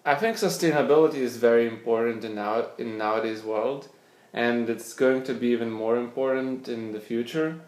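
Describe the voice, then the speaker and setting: Speaking at normal speed with a medium-pitched, somewhat dark tone, this young man from Lithuania is being interviewed as a scientist and startup founder. He replies with hesitation, frequently repeating words as he looks for the right ones, in a room with noticeable echo.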